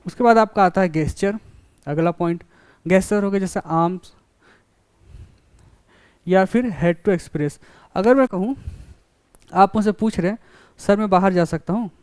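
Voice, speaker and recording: A man lectures a college class, his voice smooth and resonant. He walks through points with everyday classroom examples and keeps asking if students follow. The sound is dry and close. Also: high-pitched, a little slow, pauses often, dry recording. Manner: explains with classroom examples, often checks understanding.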